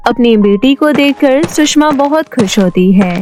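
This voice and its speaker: High-voiced woman storybook narrator. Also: unhurried, soft background music. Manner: steady storytelling.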